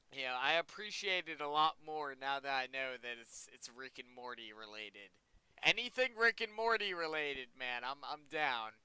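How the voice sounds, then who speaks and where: A man's voice: fairly high pitch, pushed and bright, clear, resonant tone, dry recording, low-quality recording. Young man rambling in casual commentary. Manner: rambling, chatty, repeats himself. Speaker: video host. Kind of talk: casual commentary reacting to pictures.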